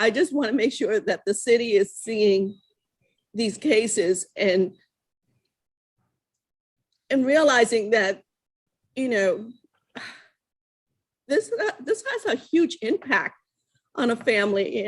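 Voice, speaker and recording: In a put-on character voice, a woman mumbles at a fairly slow pace in a fairly high pitch, with lively intonation and long, frequent pauses. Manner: mumbling, holding back emotion.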